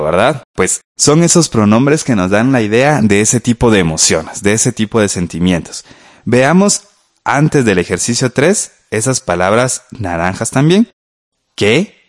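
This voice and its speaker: Male radio teacher, low and very animated, patient explainer. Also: a little slow. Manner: patient, explanatory, addresses the listener directly. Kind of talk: scripted radio lesson.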